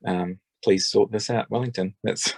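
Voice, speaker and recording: A man's voice: on the low side, fairly even intonation, measured pace, dry recording. A man giving a rambling, hesitant spoken submission at a public forum, with many ums and restarts. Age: adult parent.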